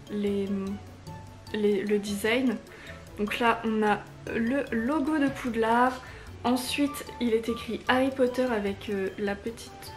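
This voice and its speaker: Bubbly high-voiced woman. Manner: gushing, enthusiastic. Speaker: unboxing vlogger. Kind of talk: casual unboxing chat.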